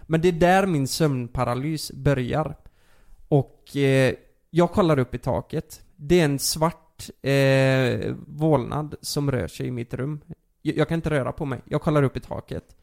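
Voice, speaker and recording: A man's voice: mid-range voice, vocal fry, a little mellow. A young man telling a personal story in a casual chat, rambling with lots of fillers and restarts.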